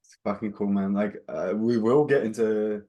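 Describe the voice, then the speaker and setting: A man's voice: on the low side, steady tone, moderate pace, mellow, highs cut off. A man hosting a casual interview, chatty and friendly, asking questions loosely and swearing now and then. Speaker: interview host.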